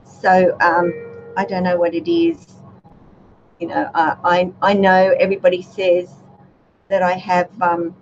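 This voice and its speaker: A woman with a soothing voice, hosting a relaxed livestream chat with her viewers, gentle and chatty with many fillers. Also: fairly low pitch, unhurried. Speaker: YouTube channel host. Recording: dull lo-fi livestream audio with faint noise.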